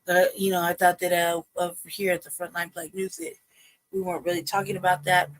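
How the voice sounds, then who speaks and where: A livestream host chatting loosely to viewers, hesitant and full of fillers. The sound is dry and close, with no room around it. Pitch sits in the middle of the range. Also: flat delivery, a little fast, no echo. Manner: rambling, hesitant, many ums. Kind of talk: casual livestream commentary.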